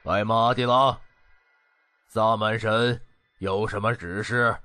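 A man's voice: on the low side, steady tone, takes it slowly, bright, forceful tone, clean tone. An actor playing a stern, wrathful king of an ancient realm, commanding and imperious, in an audio drama.

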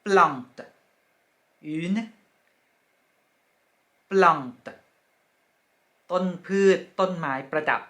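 Slow, bright-voiced woman teaching vocabulary. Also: low-pitched. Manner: slow, careful repetition of each word; polite, ends phrases with soft particles. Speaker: French teacher. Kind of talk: vocabulary lesson.

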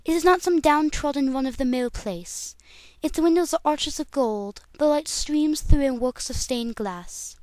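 A woman's voice: high-pitched, unhurried, a little mellow, no echo. A woman voicing a refined, proud female cartoon pony musician in a poised, haughty and formal manner.

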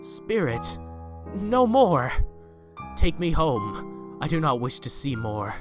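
A man's voice: a little high, very animated, slow pace, music in the background. A man playing a regretful, anguished businessman in a fan audio drama, earnest and hesitant. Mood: pleading.

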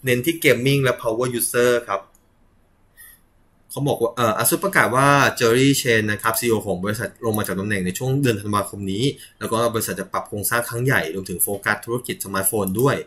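A man's voice: mid-range voice, fairly bright tone. A man hosting a casual tech news show, reading headlines and viewer comments with frequent polite particles, small slips and short laughs. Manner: reads news items with filler particles and quick laughs.

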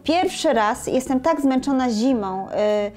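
A young woman co-hosting a casual chat, candid and expressive, on a lapel mic in a bright room. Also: high-pitched, measured pace. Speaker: co-host.

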